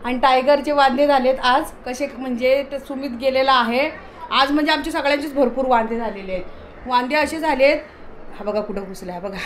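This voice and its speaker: A woman's voice: sits high, brisk, slight background noise. A woman chatting casually in a home vlog, coaxing her dog and calling to people nearby. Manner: coaxing, calls out to pets and kids. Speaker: vlogger.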